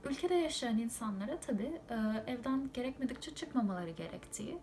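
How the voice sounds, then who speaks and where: A woman's voice: a little high, lively intonation, fairly quick, darkish tone, a little hiss or hum. A young woman from Turkey giving an informative update, explaining point by point with hesitations. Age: young adult. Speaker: student living abroad.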